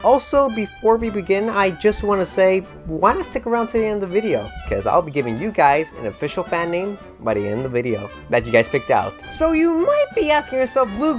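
Animated young man. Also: high voice. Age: young adult. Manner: animated, exaggerated delivery with mock-dramatic asides. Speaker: YouTube host. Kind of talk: comedic scripted commentary to camera. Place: indoor room with bare wall. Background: faint music.

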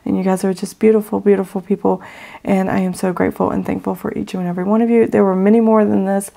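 A middle-aged woman hosting a faith channel, chatting casually and gratefully to viewers from home, her voice still raspy after being sick. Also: mid-range voice, level tone, quick pace. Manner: warm, grateful, chatty with fillers. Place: home, at a table. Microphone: overhead camera, speaker off screen.

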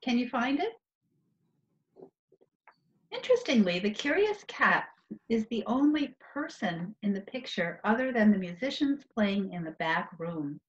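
A woman's voice: a little high, very animated, measured pace. A middle-aged woman curator giving educational art commentary and putting questions to viewers from a room at home over a video call. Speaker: museum curator. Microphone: computer mic on a video call. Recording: dull, lo-fi video call audio.

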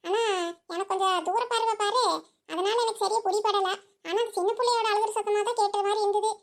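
A woman's voice: very high-pitched, steady tone, brisk. A woman voicing a nosy, insistent village gossip in a cartoon, talking breathlessly with chuckling asides. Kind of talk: cartoon voice acting.

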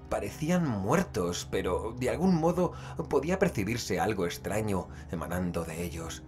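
Horror audio drama narrator: man playing a grave male investigator, very low register, literary and measured, over a music bed.

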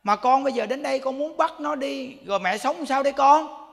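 A woman's voice: high-pitched, fairly quick, creaky, voice pushed up. A man voicing a grieving elderly mother pleading tearfully with her dead son, in an echoey hall. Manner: tearful pleading, scolding gently.

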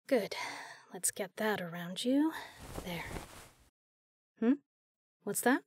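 A woman acting as a tough female spy with a mid-pitched voice. She is brisk and commanding with a caring side, played in the intimate manner of an audio drama. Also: lively intonation, a little mellow, breathy edge. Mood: soothing.

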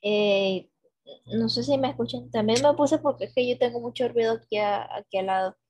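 A woman's voice: on the high side, moderate pace, darkish tone. A young woman talking casually on a video call, hesitant, with many fillers and restarts. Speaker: guest, graphic designer. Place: small room at home, indoors. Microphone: headset on video call. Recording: dull lo-fi video call audio.

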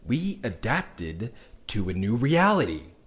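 A wry, weary young underground dweller in a sci-fi audio drama. He reflects slowly and haltingly, as if confiding in someone. His mid-pitched voice moves widely up and down through the intimate monologue. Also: sing-song. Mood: wry, agitated. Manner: reflective, halting, with sardonic little laughs and sighs.

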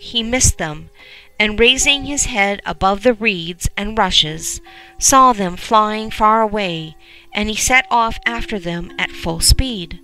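A woman narrating a folk tale in measured storytelling. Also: mid-range voice, bright, forceful tone, rough recording.

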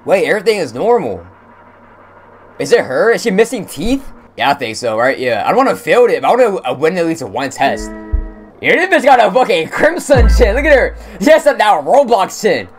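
Animated young man live-streaming a game. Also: high-pitched, normal speed, soft background music. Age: young adult. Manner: slangy, addresses chat, reacts excitedly. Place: indoor room at streaming setup.

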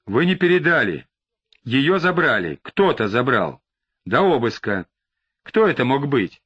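A man's voice: mid-range voice, big pitch swings, fairly bright tone, breathy edge, no room sound, exaggerated voice. Brief: disdainful detective interrogator, read by a male narrator, dull recording. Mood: probing. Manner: measured, patient questioning.

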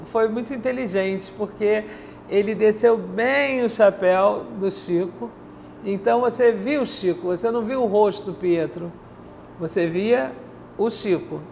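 An older woman chats with her guest on a lapel mic in a bright studio, her voice pitched high for a woman. She tells stories in a drawn-out, repetitive way, circling back to her point, and a faint hiss of background noise sits under her words. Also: creaky. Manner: anecdotal, drawn-out storytelling with repeats. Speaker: interviewer. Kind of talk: casual studio interview chat. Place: bright indoor TV studio, seated.

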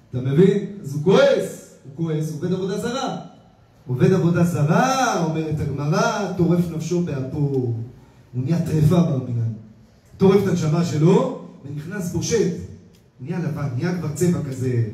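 A man's voice: on the high side, a little mellow. A man giving a religious lecture with stories from his past, emphatic, repeating words and asking rhetorical questions. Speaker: rabbi giving a Torah class. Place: indoor hall at a talk. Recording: echoey room, mic far off.

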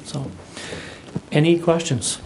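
A man's voice: a little high, slow pace. Middle-aged man reporting, noticeable background noise. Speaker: school administrator giving a report. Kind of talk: informal spoken report at a public meeting. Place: meeting room, indoors. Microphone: gooseneck podium microphone.

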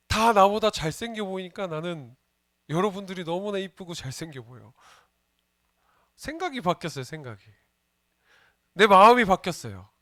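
High, bright and forceful, this man's voice leads a playful children's sermon. He's a junior pastor who asks the kids questions and jokes around with them as he goes. The audio is studio quality without echo.

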